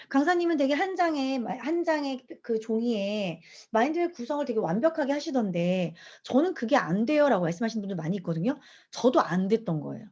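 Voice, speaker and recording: A woman teaching mind mapping in an online lecture, asking her audience questions as she goes. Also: fairly high pitch. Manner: lively, asks the audience questions. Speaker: mind map instructor. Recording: dull lo-fi online class audio.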